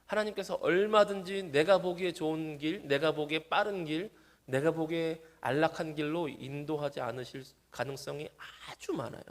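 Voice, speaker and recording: A man preaching a sermon as pastor in a church, animated and acting out the people he quotes. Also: fairly high pitch, moderate pace. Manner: animated, acts out quoted voices.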